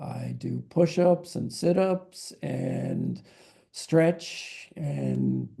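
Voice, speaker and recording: A man with an American accent. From Maryland, US. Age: 60s. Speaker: construction business owner. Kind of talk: interview.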